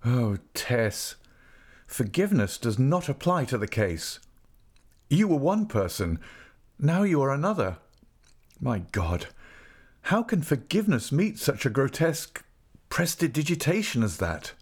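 A man's voice: medium pitch, big pitch swings, measured pace, long pauses, husky, pitched above the performer's own voice. A man playing a stunned, rigid young husband, grave and incredulous, in a dramatic audiobook reading. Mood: bitter incredulity. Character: stunned, rigid young husband, coldly rejecting his wife.

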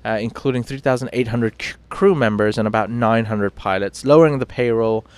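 A male morning show host with a British accent, reading the news loosely and chatting in between. His voice sits mid-pitch, and he keeps a casual, self-mocking manner full of ums and restarts. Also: fairly quick, no echo.

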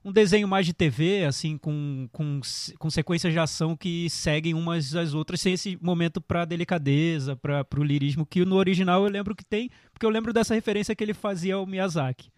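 Guy with a high voice rattling off quick takes on movies, dry close mic. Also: no room sound. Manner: fast, animated talker with many restarts. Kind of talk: casual film discussion.

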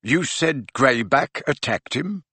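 A man's voice: lowish voice, big pitch swings, slow pace, gravelly, fairly bright tone, husky, dry recording, full character voice. A man voicing a worried father who asks questions in a distracted, hesitant way. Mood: anxious, distracted.

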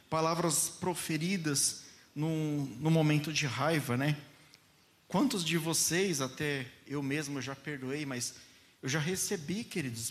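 A pastor delivering a sermon in a gentle, deliberate voice that sits slightly high for a man. He speaks slowly, as he himself says, to weigh each word, and keeps addressing the congregation as dear ones. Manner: slow, gentle delivery addressing listeners as "queridos".

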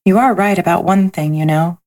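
A woman reading aloud and voicing a gentle, wise and loving soul who speaks in a tender, reassuring way. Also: fairly low pitch, a little fast, natural voice. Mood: serious.

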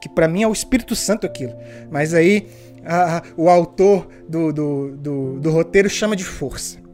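Woman preaching, animated storyteller, keeps firing questions at the crowd, soft music behind. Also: low voice, normal speed. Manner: lively storytelling, asks rhetorical questions. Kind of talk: sermon.

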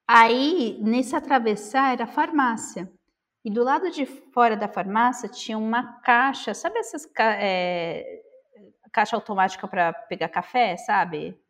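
A woman from Brazil telling a lively anecdote in casual chat, acting out the dialogue. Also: mid-range voice. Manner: animated, acts out the dialogue. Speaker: storyteller.

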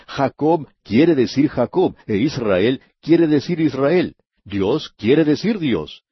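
Male radio Bible teacher, low husky voice, dry lo-fi studio sound, measured and emphatic delivery. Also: no room sound. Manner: measured, emphatic, slows down to stress key words. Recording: dull, slightly lo-fi broadcast audio.

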